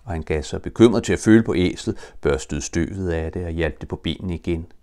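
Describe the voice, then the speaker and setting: Old Danish man reading a storybook. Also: sits low. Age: older. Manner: lively, expressive storytelling. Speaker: audiobook reader. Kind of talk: reading a children's storybook aloud.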